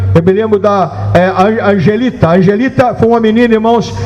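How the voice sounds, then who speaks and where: A man's high-pitched, animated voice amid noticeable background noise and audible room echo. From Brazil, Minas Gerais. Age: 70s. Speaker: missionary pastor. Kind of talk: sermon. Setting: church.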